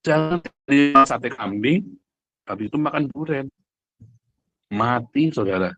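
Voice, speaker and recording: A man's voice: mid-range voice, lively intonation, unhurried, no echo, faint music behind. Blunt male preacher, close dry sound. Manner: blunt, emphatic, addresses listeners directly, asks rhetorical questions. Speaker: preacher, pastor. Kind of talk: conversational livestream sermon.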